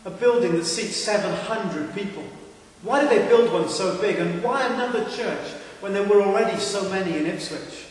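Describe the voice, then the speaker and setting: A man's voice: high-pitched, normal speed, far from the mic. A Welsh man from South Wales, a pastor introducing a sermon series in an earnest voice with rhetorical questions, speaking in a large empty church. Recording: echoey church hall.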